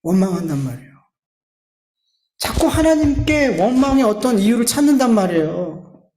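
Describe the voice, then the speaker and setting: A man's voice: extremely high pitch, very animated, normal speed, a little mellow. A man preaching a sermon as a pastor, earnest and pleading, often turning to address his congregation directly. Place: church sanctuary. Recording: echoey church hall.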